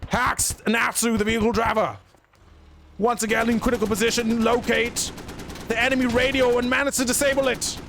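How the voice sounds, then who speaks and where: A man doing an excited, put-on British accent as a theatrical play-by-play caster for a tactical shooter match. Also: very high voice, a little fast, vocal fry, slight background noise, pitched above the performer's own voice, full character voice. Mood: hyped. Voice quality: hammy, theatrical hype delivery. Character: excitable male British-style game caster. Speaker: gameplay commentator.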